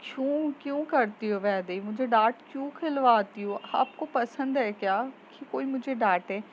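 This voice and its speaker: A woman's voice: fairly high pitch, normal speed, dull audio, a little hiss or hum, lightly acted. A woman voicing a sulky young schoolgirl who complains and takes offense, in a storybook tale.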